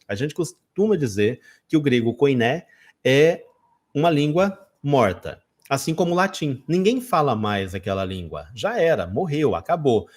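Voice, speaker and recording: A man's voice: mid-range voice, very animated, normal speed, breathy edge. A man from Brazil giving a casual spoken English lesson, talking straight to viewers and acting out his own learner mistakes. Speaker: English teacher.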